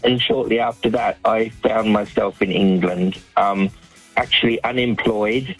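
A man's voice: lowish voice, fairly even intonation, measured pace, breathy edge, faint music behind, rough recording. A man who grew up in Australia calls a radio show and tells his life story in a chatty, anecdotal way with frequent ums and restarts. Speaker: caller, professional storyteller.

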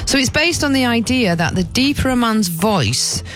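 A woman with a low voice co-hosting a radio show, chatty and teasing, laughing often. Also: animated, normal speed, a bit bright, faint music behind. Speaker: radio co-host. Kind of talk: casual breakfast radio banter.

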